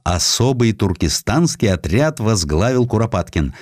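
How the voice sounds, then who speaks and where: A man reading a historical essay as an audiobook narrator, in an expressive, measured literary manner with distinct pauses. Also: fairly low pitch.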